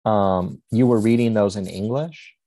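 A man's voice: on the low side, measured pace, dark tone, no room sound. A man working as an interviewer, asking questions in a casual, conversational and slightly tentative way.

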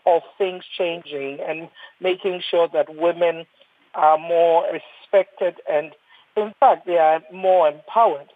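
A woman's voice: lowish voice, no echo. Earnest older Ghanaian woman, phone-thin. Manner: earnest, emphatic, repeats words when restarting. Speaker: doctor. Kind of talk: panel discussion. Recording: thin phone-like line, husky and dry.

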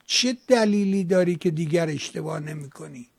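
High gravelly guy hosting a call-in show, lecturing a caller hard, chanting bits for effect. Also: a little mellow, no room sound, studio quality. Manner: lectures and scolds, dramatic chanting asides. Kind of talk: heated call-in debate.

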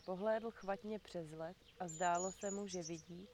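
A woman reading a storybook aloud to children in a calm, measured way, in an outdoor garden. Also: fairly low pitch, a little hiss or hum. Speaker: reader for children.

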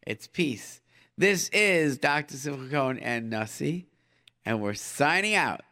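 His voice fairly high, bright and forceful, a middle-aged call-in show host speaks a little slowly but animatedly. He offers informal advice on air in short, repeated phrases full of Hebrew and Yiddish expressions.

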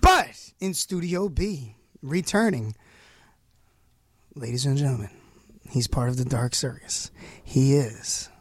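A male radio host, hoarse from losing his voice, hyping up his show with joking, showy banter in a studio. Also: medium pitch, no echo. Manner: showy, joking, rapid riffing introductions. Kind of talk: playful, hyped radio banter. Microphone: studio microphone.

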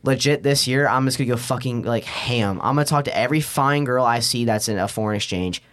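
A man's voice: mid-range voice, brisk, fairly bright tone. A young man chatting casually on a podcast like a frat bro, slangy and full of swearing. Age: young adult. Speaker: podcast host.

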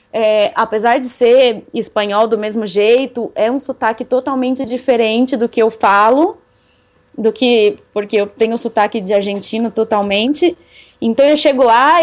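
Chatty Brazilian woman, laughing. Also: on the high side. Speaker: cycle traveler guest. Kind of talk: casual interview.

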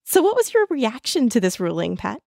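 Female radio co-host, clear even read, dry close studio sound. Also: on the high side, a little fast, no room sound. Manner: clear, even newsreader delivery. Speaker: radio news magazine co-host. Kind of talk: scripted narration and interviewing.

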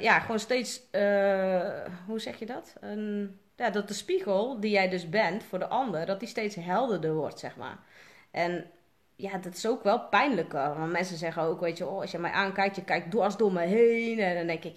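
Dutch-accented woman coach, loose rambling live-chat delivery, filler-heavy. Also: mid-range voice. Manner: chatty, rambling, many fillers. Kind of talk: casual live video chat.

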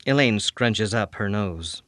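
A man reading scripted narration for an audio drama in a measured, descriptive manner. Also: on the low side, lively intonation, a bit bright, dry recording, clean studio sound.

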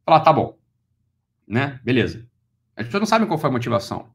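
A man's voice: mid-range voice, sing-song, creaky. A man with a Brazilian Portuguese accent who lectures on philosophy. He delivers a heated monologue and often repeats his points for emphasis. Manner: rapid, repeats himself for emphasis.

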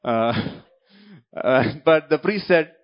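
A man's voice: a little high, lively intonation, takes it slowly. A man with a Malayali Indian English accent, whose first language is Malayalam, preaching a sermon. He repeats key phrases and keeps asking the congregation short questions. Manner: repeats key phrases and restarts his sentences. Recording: dull lo-fi recording.

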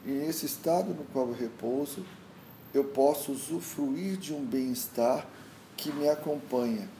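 A man's voice: medium pitch, warm tone. A man, a meditation teacher, talking reflectively in an interview and often restarting his thoughts as he searches for words. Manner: searching, repetitive restarts, storytelling. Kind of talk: reflective casual interview talk. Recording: echoey room with faint noise.

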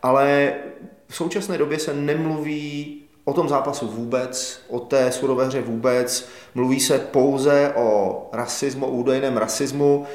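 Male interviewer, hesitant and filler-heavy, mid pitch, echoey studio. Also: level tone, darkish tone. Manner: hesitant questions, lots of fillers.

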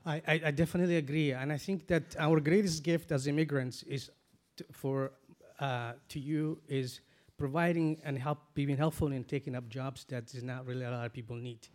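Earnest halting man in his forties. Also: medium pitch, fairly even intonation, darkish tone. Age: 40s. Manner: earnest, halting, many restarts. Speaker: guest. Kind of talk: panel discussion.

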